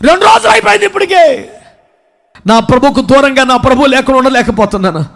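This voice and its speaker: Man doing repentant woman disciple, grieving her lost Lord, very high-pitched, pleading, fervent, shouting at peaks. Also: normal speed. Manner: fervent, pleading first-person testimony, rising to shouts. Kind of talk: dramatized sermon monologue.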